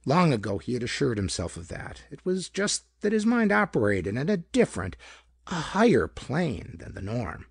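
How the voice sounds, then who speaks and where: Husky, animated male pulp-story narrator. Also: mid-range voice, normal speed, no echo, clean studio sound. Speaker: audiobook narrator.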